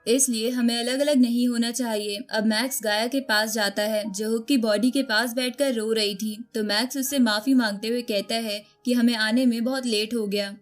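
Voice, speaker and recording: Woman, slightly high voice, scripted storytelling narration, recap narrator, music playing behind. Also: fairly even intonation, normal speed, hardly any pauses. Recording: music bed under the voice. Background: background music.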